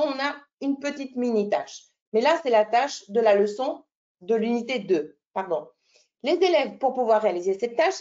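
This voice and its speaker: A woman's voice: a little high, a little mellow, highs cut off. Italian-accented woman giving a teaching webinar. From Italy. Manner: explanatory, many fillers and restarts, checks in with "d'accord?". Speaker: French language teacher trainer. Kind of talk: webinar presentation.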